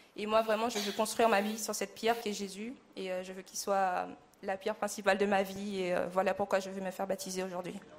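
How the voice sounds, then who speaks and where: Fairly quick, flat monotone delivery with big swings in loudness. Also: woman, medium pitch for a woman. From Guadeloupe. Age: 20s. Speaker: student. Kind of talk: testimony. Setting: church.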